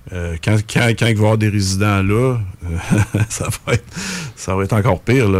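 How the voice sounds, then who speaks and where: This man speaks at a fairly slow pace and a fairly low pitch, with ordinary pitch variation. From Quebec, Lévis (Saint-Nicolas). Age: 40s. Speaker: resident activist. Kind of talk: interview. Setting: studio.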